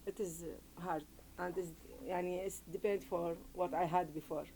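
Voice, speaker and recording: A woman from Iraq with an Iraqi Arabic accent, giving interview testimony in short, halting sentences. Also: on the low side, steady tone, warm tone, slight background noise. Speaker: refugee interviewee.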